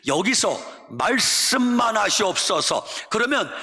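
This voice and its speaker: A humble centurion pleads earnestly, his voice bright and ringing, as a male pastor acts him out within a sermon. The church hall gives each word a long echo. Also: sits high, sing-song, unhurried, creaky, voice pushed up, full character voice. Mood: pleading. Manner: earnest, pleading, building to a shout. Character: humble pleading Roman centurion, grown man.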